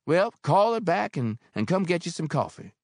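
Male narrator doing an older motherly landlady for an audiobook, scolding and warmly bossy, lively sing-song lines, dry studio. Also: on the high side, normal speed, no echo, voice pushed up. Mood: bossy caring. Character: older motherly landlady, gruff but kind-hearted. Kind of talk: audiobook character voice.

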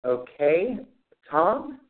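A man leading a spiritual class on a conference call, calling the roll and guiding a prayer in an unhurried, plain-spoken way. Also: on the high side, big pitch swings. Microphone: phone call. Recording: tinny phone line.

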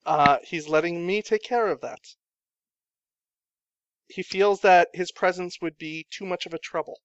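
A man voicing a calm, businesslike male go-between in a tabletop game, polite and matter-of-fact. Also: high-pitched, unhurried, clear, resonant tone, no room sound, muffled recording.

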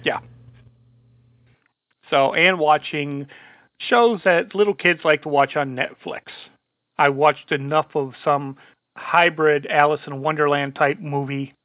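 A hoarse man hosting a casual call-in talk show, chatty and rambling. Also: on the high side, fairly even intonation, takes it slowly, pauses often, no room sound. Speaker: podcast host. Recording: tinny phone-like line.

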